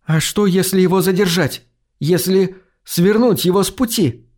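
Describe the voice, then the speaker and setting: A man's voice: moderate pace, darkish tone. A man reading an audiobook, voicing a frightened, near-hysterical woman in a raised, breathless voice. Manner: breathless, pleading, raised pitch.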